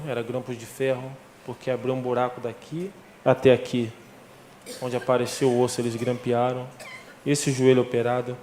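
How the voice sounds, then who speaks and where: A man's voice: mid-range voice, darkish tone, a little hiss or hum. Brazilian man giving an emotional testimony. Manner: emotional storytelling, acting out dialogue. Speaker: former football defender giving testimony. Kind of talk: church testimony. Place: church.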